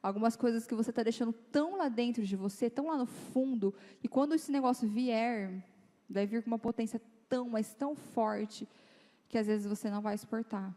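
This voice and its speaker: Young female youth speaker, lively and conversational, slightly high pitch, reverberant church hall. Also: normal speed. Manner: lively, chatty, acts out dialogue in quoted voices. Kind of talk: informal talk to teenagers.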